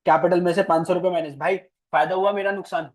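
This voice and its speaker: A man's voice: high voice, steady tone, fast. A man teaching commerce in a classroom, playful and teasing, quizzing his students with speech. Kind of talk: classroom lecture.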